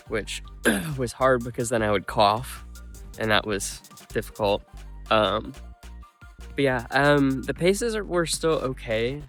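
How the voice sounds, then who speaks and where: A man's voice: mid-range voice, a bit bright. A man with a stuffed-up, congested nose giving a casual vlog recap of a run, rambling with lots of ums and likes. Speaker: running vlogger.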